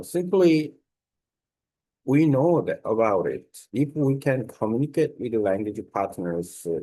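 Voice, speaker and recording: Slow, low-voiced man explaining in halting English. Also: mellow, poor audio. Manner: halting, simple non-native English with searching pauses. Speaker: language learner giving a lesson. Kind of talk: unscripted explanatory talk.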